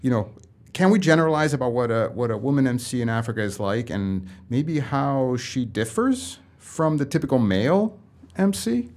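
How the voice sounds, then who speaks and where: A man hosting an academic podcast, reading a formal introduction and asking measured questions. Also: medium pitch, animated, darkish tone. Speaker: podcast host. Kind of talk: scripted introduction and interview questions.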